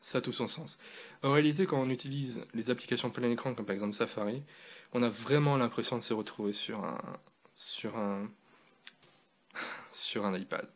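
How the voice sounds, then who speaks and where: A man's voice: medium pitch, moderate pace. A man giving a loose, rambling product review, talking casually with fillers and restarts. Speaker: tech reviewer.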